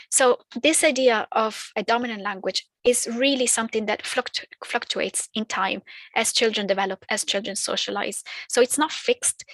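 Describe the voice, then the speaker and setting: A woman's voice: mid-range voice, fairly bright tone, no echo. A woman whose first language is not English, explaining terms in a training talk, with fillers and restarts. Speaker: early years language trainer.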